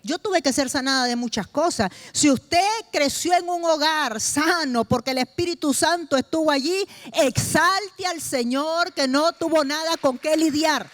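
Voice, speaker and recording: A middle-aged woman pastor preaching a sermon with personal testimony, emphatic and slow, repeating key phrases for stress. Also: sits high, fairly bright tone.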